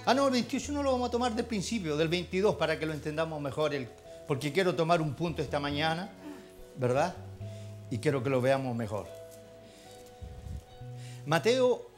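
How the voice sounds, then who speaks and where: A Chilean man delivers a church sermon in a slightly raised voice. He talks to the congregation in a folksy, familiar way and builds into fervent prayer. Quiet instrumental music plays underneath. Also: a little high. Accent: Chilean Spanish. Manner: folksy, addresses congregation as brother. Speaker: preacher. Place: church hall.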